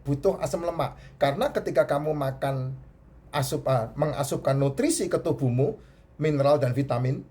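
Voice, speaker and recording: A middle-aged man with a fairly high, mellow, husky voice that sounds stuffy and nasal offers health advice in casual conversation. He's chatty, often repeating himself and restarting words.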